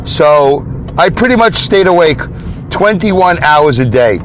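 A man's voice: on the high side, expressive, slow pace, slight background noise, poor audio. A man with a Brooklyn accent hosting a casual solo podcast, rambling along, interrupting and repeating himself. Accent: Brooklyn, New York. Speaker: podcast host.

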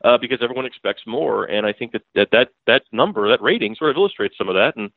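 A man's voice: mid-range voice, lively intonation, fast, no room sound. A man calling in over a thin, tinny phone line with no room sound around him. He breaks down a game in casual, rambling talk, restarting sentences and chuckling now and then. His voice sits in a middle range for a man. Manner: talkative, frequent restarts and fillers, chuckling asides. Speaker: newspaper beat writer, podcast guest. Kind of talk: casual sports analysis.

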